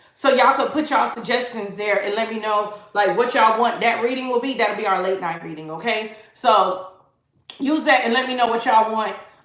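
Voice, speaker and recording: A woman's fairly high voice at a fairly quick pace, with ordinary pitch variation and audible room echo. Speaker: tarot reader. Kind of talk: live stream tarot reading. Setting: live stream. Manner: fast; animated.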